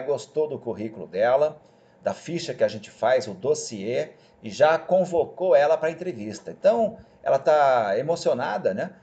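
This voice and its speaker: A man talking casually and persuasively to viewers over a screen recording, chatty and animated. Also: medium pitch, muffled recording. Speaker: job placement agency host.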